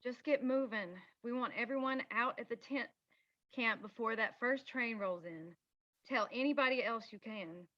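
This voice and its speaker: A woman's voice: on the high side, normal speed, muffled recording, natural voice. A woman reading the part of an urgent, protective organizer in a period drama, plain-spoken and directive. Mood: urgent warning. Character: urgent, protective female organizer warning mining-town families. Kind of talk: screenplay table read.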